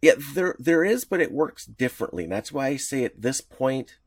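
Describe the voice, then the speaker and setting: A man co-hosting a casual podcast chat, his pitch rising and falling in lively swings as he rambles and restarts his sentences. The sound is close and dry, with no room around him. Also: normal speed, no room sound. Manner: rambling, many restarts, laughs easily. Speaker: podcast co-host.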